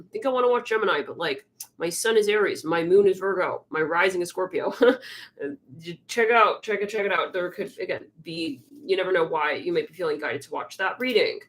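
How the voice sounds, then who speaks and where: A young woman hosts a live tarot stream, chatting casually and rambling with plenty of fillers, often murmuring to herself. Her mid-range voice is fairly bright but a little congested.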